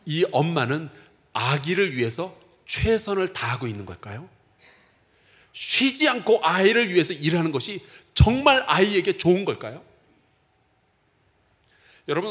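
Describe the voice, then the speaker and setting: A man's voice: fairly high pitch, a bit bright. A middle-aged man, a pastor, preaching a sermon in a conversational way and often asking the congregation questions.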